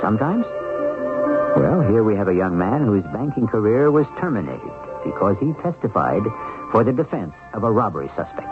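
A man narrating as host of a radio drama in a scripted, deliberate style with rhetorical flourishes. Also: on the low side. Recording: narrow-band old radio recording. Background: loud music.

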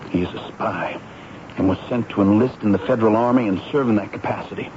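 An actor playing a young prisoner who informs in a subdued, formal, deferential way in a radio drama. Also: male voice, fairly low pitch, fast, close to an everyday voice. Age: young adult. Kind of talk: 1970s radio drama acting. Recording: dull radio recording with faint noise.

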